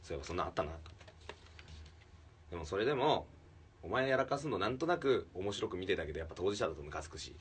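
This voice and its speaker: A man who hosts a comedy podcast tells a story in casual chat. He acts out the quotes and swings from loud outbursts to hushed asides. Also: low-pitched, lively intonation, fast, long pauses, distant mic, slight background noise.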